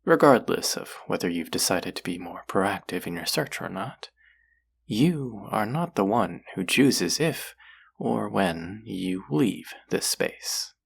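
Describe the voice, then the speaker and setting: A man's voice: lively intonation, takes it slowly, exaggerated voice. A man voicing a possessive, seductive demon in an intimate audio roleplay, teasing and menacing, often dropping to a whisper. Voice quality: low, husky, gravelly. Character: possessive, seductive demon who craves human hearts.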